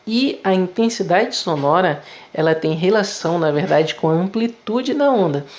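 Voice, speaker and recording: A man's voice: sits high, animated, normal speed. A man teaching physics in a video lesson, explaining step by step in a conversational way with frequent tag questions.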